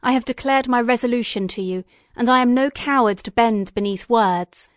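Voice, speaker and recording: A woman voicing a defiant, furious young male scientist in an audiobook reading, speaking forcefully and indignantly. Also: a little high, moderate pace, dry recording, studio quality, natural voice.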